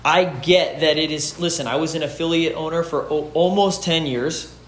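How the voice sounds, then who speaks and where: A gym owner and fitness business host gives peers earnest, informal motivational advice, emphatic and repeating his key phrases, in a fairly high, slightly bright voice at a moderate pace. He's outside at his home gym under a roof during a rainstorm, and the echoey recording carries storm rain drumming on the roof.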